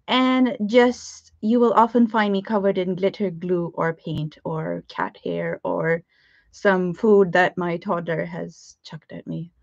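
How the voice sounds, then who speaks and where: A woman's voice: mid-range voice, dry recording. Woman, 30s, from Pakistan, Pakistani English accent, bubbly live-stream art teacher, chatty with fillers, home studio, dry webcam sound, slightly dull audio. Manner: bubbly, greets viewers, frequent laughs and fillers. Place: home craft studio with shelves. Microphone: webcam at desk.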